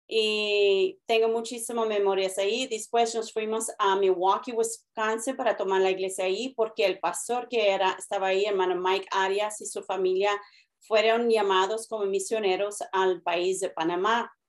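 With an ordinary speaking voice at medium pitch, a woman talks at a moderate pace with fairly even intonation and hardly any pauses. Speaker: missionary's wife and author. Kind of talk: interview testimony.

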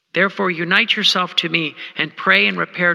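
Lively in intonation, a man speaks at a moderate pace with a bright, sharp tone and vocal fry. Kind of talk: retreat talk reading devotional meditation aloud. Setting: church parish retreat. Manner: enthusiastic.

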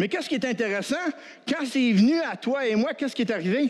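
Through noticeable background noise, a man with an extremely high pitch speaks in very wide pitch swings. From Ottawa, Franco-Ontarian. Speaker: preacher. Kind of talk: sermon. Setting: church.

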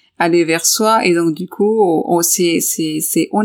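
A woman with a Spanish accent speaks at a very slow pace and fairly low pitch, in a very clean recording with a silent background. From Colombia, Santander. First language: Spanish (speaking French). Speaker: life coach. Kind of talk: interview. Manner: halting, many repetitions.

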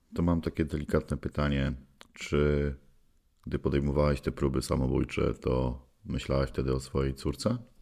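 The tone is dark and mellow, with very even loudness and vocal fry throughout. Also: man, very deep, low pitch for a man, fairly even intonation, moderate pace. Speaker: podcast host interviewer. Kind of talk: interview with scripted intro and outro. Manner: casual, direct.

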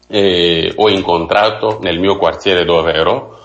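A man is speaking. The room echo is audible. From Democratic Republic of the Congo. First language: not Italian (Congolese languages/French) (speaking Italian). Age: 30s. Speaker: religious brother and education researcher. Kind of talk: radio interview.

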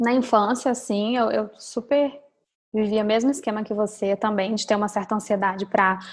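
A woman speaks at a moderate pace. She has a plain, everyday voice. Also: fairly high pitch for a woman, fairly even intonation, quiet background. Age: 20s. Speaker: podcast host, illustrator. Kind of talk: casual chat.

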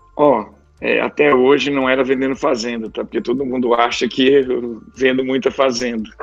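Music in the background behind a man with a medium pitch, monotone, flat intonation and a moderate pace. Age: 40s. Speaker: real estate broker. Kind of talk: interview. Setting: remote call.

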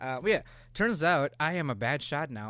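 A man with a fairly high pitch and lively intonation. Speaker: podcast co-host. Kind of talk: casual chat. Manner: rambling, hesitant.

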